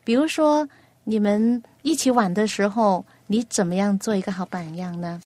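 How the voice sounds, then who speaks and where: A woman hosting a children's radio program, asking a young guest patient, coaxing questions and telling a gentle story. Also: mid-range voice, moderate pace, no echo.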